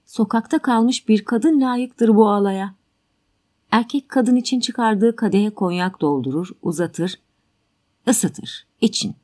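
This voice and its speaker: A woman reading a stage play aloud for an audiobook. She gives the stage directions in a lowered, even voice at a middle pitch. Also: unhurried. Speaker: audiobook narrator.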